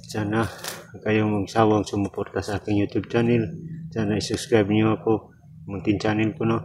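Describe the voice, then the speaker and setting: A man speaks in a monotone with flat intonation and a fairly low pitch, over noticeable background noise. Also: fairly quick pace. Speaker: vlogger. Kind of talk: outdoor vlog narration. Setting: outdoors in the mountains. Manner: speaking louder than before; shy, self-conscious. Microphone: phone recording, viewer said voice too quiet.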